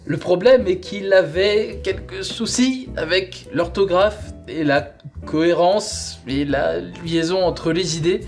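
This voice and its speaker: A man's voice: high-pitched, slow pace, soft background music. A man presenting a comic, conversational review, rambling playfully and drawing out words for emphasis.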